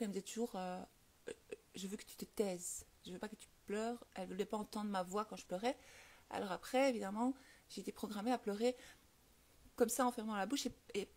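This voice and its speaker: A woman's voice: medium pitch, vocal fry. A woman with a French accent hosting a casual live stream, answering viewer comments, laughing often and filling her talk with little hesitations. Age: adult with children. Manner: lively, laughs often, many fillers. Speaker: host of a live stream on the law of attraction.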